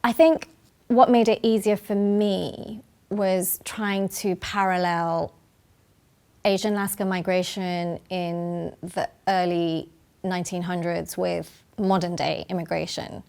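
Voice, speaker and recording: A woman's voice: on the low side, creaky, a little mellow. A woman, a playwright, talking in an explanatory interview style.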